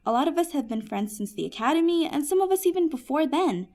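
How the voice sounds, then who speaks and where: A woman's voice: sits high, sing-song, fast, darkish tone. A woman playing a kind, earnest, persuasive djinnia in a fantasy comedy audio drama. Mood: earnest pleading. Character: Peri, kind, earnest young djinnia of smokeless fire.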